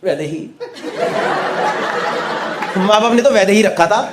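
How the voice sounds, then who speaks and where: A man's voice: high voice, takes it slowly. A male stand-up comedian doing teasing crowd work, mixing Hindi and English. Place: comedy show stage before an audience. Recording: live stage mic, loud crowd laughter and noise.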